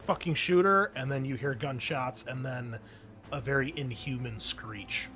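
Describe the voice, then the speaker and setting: A man's voice: medium pitch, a little slow, pushed and bright. A man running a tabletop roleplaying game as game master, talking casually, swearing now and then and thinking aloud. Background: background music.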